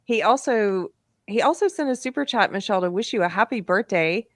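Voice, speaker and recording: A woman's voice: medium pitch, expressive, a little fast, no room sound. A woman hosting a live panel discussion who reads viewer donation messages aloud and thanks the people who sent them. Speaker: panel host.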